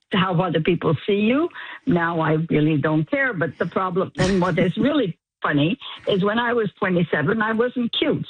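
A woman's voice: fairly low pitch, slightly rough, dry recording. A woman in her eighties calling in to a radio show, cheerful and laughing as she talks. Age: 80s. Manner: cheerful, laughs while talking. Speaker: caller. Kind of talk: phone-in call to a radio show. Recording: tinny phone line.

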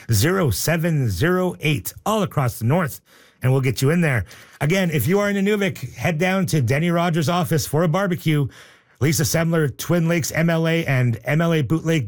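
Upbeat male radio call-in host. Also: fairly high pitch. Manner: upbeat, joking, reads the phone number slowly. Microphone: studio microphone.

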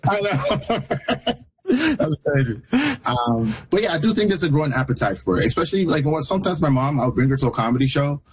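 A man's voice: on the high side, expressive, a little fast, slightly rough. A young man who is a stand-up comedian, talking as an interview guest in a jokey, laid-back way with many fillers.

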